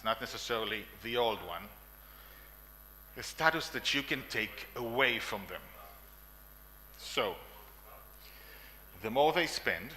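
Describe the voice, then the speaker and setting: In a meeting room, a man in his forties with an Israeli accent presents at a conference in a pushed, bright, mid-range voice. His talk is emphatic, full of repeated lists, coughs, and fillers, and the rough recording has a little hiss or hum.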